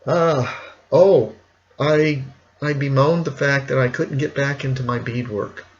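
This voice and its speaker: A middle-aged man with a gravelly, hoarse, cracking voice, talking casually and reflectively in a rambling personal vlog. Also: mid-range voice, fairly even intonation, dull audio. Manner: rambling, reflective, slow with pauses. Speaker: vlogger.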